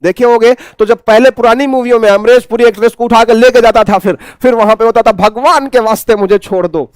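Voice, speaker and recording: A man's voice: very high-pitched, steady tone, fairly quick, no echo. A man with an Indian accent teaching an exam-prep English lesson, explaining by asking the class questions and answering them himself.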